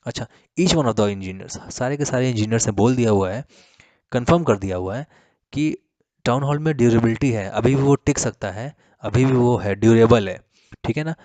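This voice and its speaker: A man teaching English grammar for exams, explaining in Hindi, reading example sentences slowly and spelling words letter by letter. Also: mid-range voice, a little mellow, dry recording. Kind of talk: exam-prep grammar lesson.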